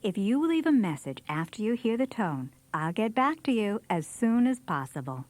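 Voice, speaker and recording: A woman's voice: mid-range voice, big pitch swings, moderate pace, a little mellow, no echo. A woman delivering scripted answering machine greetings in a performed way.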